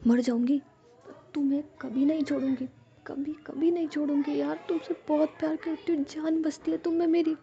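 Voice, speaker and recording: A woman voicing Ruhi, a tearful, devoted young woman in love, pleading in a high, emotional voice. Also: fairly even intonation, normal speed, dark tone, highs cut off.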